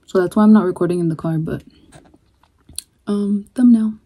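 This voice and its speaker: A young woman chatting casually to camera in her bedroom during a food vlog, relaxed and unhurried, trailing off with fillers. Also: mid-range voice, breathy edge. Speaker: vlogger. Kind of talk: casual mukbang chat.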